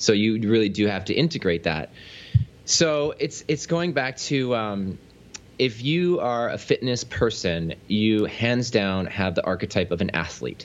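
With a normal speaking voice, a man uses lively intonation at a fairly low pitch. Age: 30s. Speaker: spiritual business coach. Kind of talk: casual interview.

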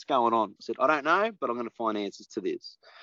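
This man speaks with an Australian accent. His pitch is medium. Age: 40s. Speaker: guest sharing life story. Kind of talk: casual chat.

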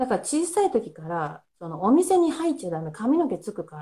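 With a dark, mellow tone, a woman talks at a moderate pace using very wide pitch swings. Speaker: esthetician. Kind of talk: interview.

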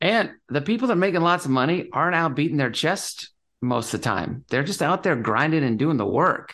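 Over a quiet background, a man with a fairly high pitch and a bright, sharp tone talks fairly quickly, with lively intonation and very even loudness. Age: 50s. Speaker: real estate investor and former classical musician. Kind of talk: casual interview chat.

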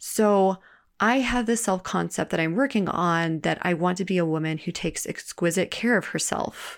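A woman with an ordinary speaking voice talks at medium pitch and a moderate pace, with ordinary pitch variation and very even loudness, on a very clean recording with a silent background. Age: 40s. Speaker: podcast host and career coach for assistants. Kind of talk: solo podcast monologue. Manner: casual and conversational.

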